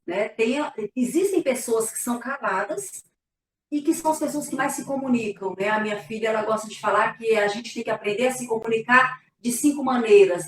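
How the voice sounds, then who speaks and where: A female pastor explains in an earnest way, often ending phrases with a quick tag question. Her voice sits somewhat high. She sounds set back from the mic in a room with a clear echo. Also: recorded from a distance. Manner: earnest, explanatory, frequent "né?" tags. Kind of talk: casual church live talk. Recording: echoey room, voice from afar.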